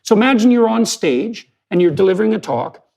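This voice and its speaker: A man's voice: sits high, expressive, a little fast, gravelly, darkish tone. A man talking bluntly and emphatically as a guest in a conversational interview, with some mild swearing.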